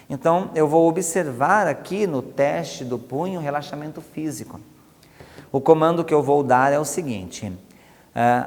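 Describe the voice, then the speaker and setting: A man with a Brazilian Portuguese accent teaches a hypnosis technique at an everyday pitch. Now and then he drops into slow, soothing demonstration commands. His voice carries a long reverb, like a large hall. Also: a little mellow. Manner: explains step by step, acts out slow soothing induction commands. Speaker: hypnosis instructor.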